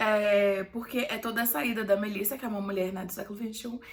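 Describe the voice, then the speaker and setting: A woman with an animated tone and a fairly high, somewhat breathy voice talks at a fairly quick pace with ordinary pitch variation. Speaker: book vlogger. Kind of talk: casual book review vlog. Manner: fast.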